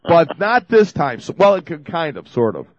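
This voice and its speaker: A man's voice: on the high side, very animated, normal speed, no echo, highs cut off. A man hosting a call-in radio show, talking in a chatty, rambling, jokey way while he has a cold. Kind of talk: casual call-in radio talk. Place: radio studio.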